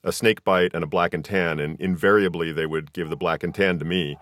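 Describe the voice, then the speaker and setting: A man's voice: sits low, fairly even intonation, a little fast, fairly bright tone, dry recording. A middle-aged American man hosting a casual conversational interview. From Southern California, US. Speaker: podcast host.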